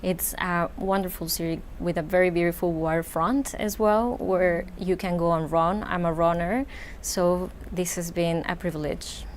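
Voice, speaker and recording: A woman's voice: fairly low pitch, steady tone, moderate pace, slight background noise. A woman in her thirties from Mexico, speaking as a law alum on a panel in a composed, prepared way. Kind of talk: panel discussion.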